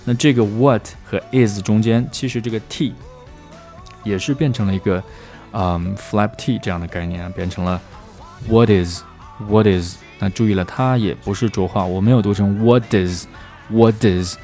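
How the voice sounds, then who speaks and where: A man explains English pronunciation in a low, mellow voice. He slows right down to repeat each example phrase several times, drilling it. A faint guitar plays underneath. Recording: soft guitar music underneath.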